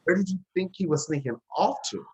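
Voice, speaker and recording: An actor playing a bitter, grieving, sharp-tongued young gay man in a drama, sarcastic and confrontational. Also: sits high, brisk, lightly acted. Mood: scornful. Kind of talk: dramatic dialogue acting.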